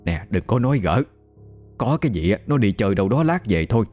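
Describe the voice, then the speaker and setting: A man voicing a calm older village woman in a storybook, reassuring her neighbor. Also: lowish voice, fast talker, soft background music.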